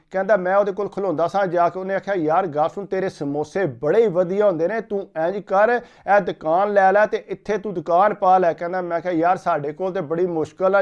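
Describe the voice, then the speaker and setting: A man telling a folk story in a steady retelling manner, opening each line with "he said". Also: high-pitched, lo-fi sound.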